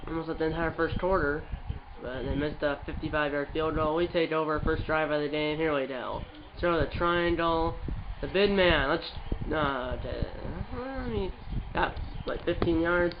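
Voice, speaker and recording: Man, slightly high voice, congested; rambling gaming commentary over a dull recording with steady noise behind. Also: unhurried. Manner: rambling, with restarts and play-by-play calls. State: stuffed up. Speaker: gaming channel host. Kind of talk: casual game commentary. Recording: muffled with background noise.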